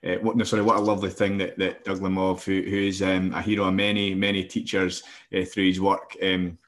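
A man with a northeast Scottish accent and a lowish voice, hosting an interview. He is courteous and thanks his guest warmly, with lots of ums and restarts. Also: flat delivery, a little fast. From northeast Scotland. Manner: polite, hesitant, many fillers.

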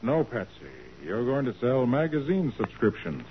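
A man's voice: medium pitch, big pitch swings, moderate pace, a little hiss or hum, lightly acted. Unflappable detective played by a man, muffled old radio. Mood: wry, firm. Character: brisk, unflappable male master detective. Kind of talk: 1940s radio drama acting. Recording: muffled, narrow-band old radio recording.

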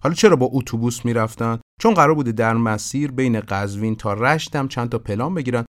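A man hosting a podcast, narrating production history in an informative, steady way. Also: mid-range voice. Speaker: podcast host. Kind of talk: scripted narration about film production.

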